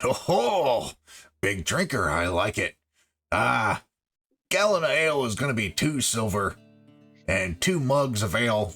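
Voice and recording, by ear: In a put-on character voice that is raspy, gruff and strained, a man speaks at a medium pitch with very wide pitch swings, at a fairly slow pace with long, frequent pauses and faint music in the background. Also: very even loudness.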